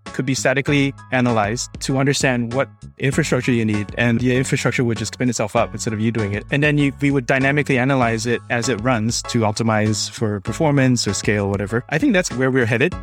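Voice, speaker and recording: A man's voice: mid-range voice, fast talker, hardly any pauses, faint music behind. A man from Singapore speaking as a podcast guest, explaining tech in a conversational interview style. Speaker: podcast guest, developer experience lead.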